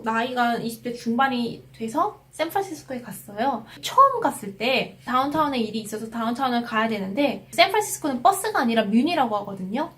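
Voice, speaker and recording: A woman in her thirties teaching an English lesson, telling stories and acting out quotes, then drilling words slowly. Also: a little high. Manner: chatty storytelling, acts out quotes. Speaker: English tutor.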